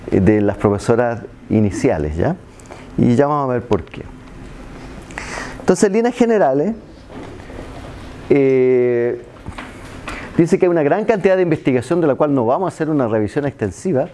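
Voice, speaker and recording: A man's voice: medium pitch, mellow, a little hiss or hum. A middle-aged man gives a conversational university lecture to a seated class, checking in often with the students and adding self-mocking asides. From Chile. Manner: conversational, asks "¿ya?" after nearly every point, self-deprecating asides. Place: seminar room with projector and seated students. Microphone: handheld microphone, filmed by far camera.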